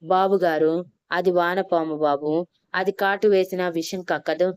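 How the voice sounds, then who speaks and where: A woman's voice: on the low side, steady tone, moderate pace, clean tone, dry recording, clean studio sound, close to an everyday voice. A woman reading a humble village farmhand. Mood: reassuring. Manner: deferential, explaining.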